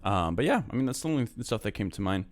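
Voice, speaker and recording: A man with a somewhat low voice chats loosely on a livestream, reacting to listeners' tracks. He speaks in a hesitant, easygoing way, full of small fillers and restarts. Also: big pitch swings, fast, over loud music. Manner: hesitant, laid-back, many fillers. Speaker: music producer streamer giving feedback. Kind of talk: casual livestream chat.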